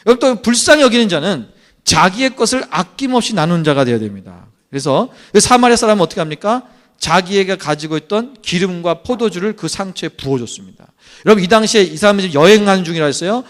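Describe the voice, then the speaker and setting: A man preaching a sermon as pastor, acting out quoted complaints and often calling out to the congregation. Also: sits high. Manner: animated preaching, acts out quoted complaints, keeps addressing the congregation. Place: church.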